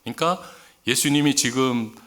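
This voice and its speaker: A man's voice: medium pitch, moderate pace, a bit bright. A man preaching a sermon as a visiting missionary in a church, telling a story in a conversational tone. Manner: conversational storytelling, acts out dialogue in quoted voices. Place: church sanctuary.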